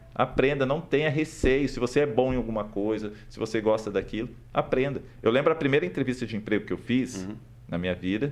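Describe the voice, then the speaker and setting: A man speaks in a normal speaking voice at a fairly quick pace. His medium pitch shows ordinary variation. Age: 30s. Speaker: speaker and communication trainer. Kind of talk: interview. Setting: studio.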